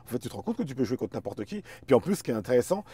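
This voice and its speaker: Mellow man, searching for words. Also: medium pitch, sing-song, rapid-fire, breathy edge, dry recording. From Paris suburbs, France. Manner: hesitant, repeats words while searching for phrasing. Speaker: interview guest, chess teacher and performer. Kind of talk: casual, reflective interview talk.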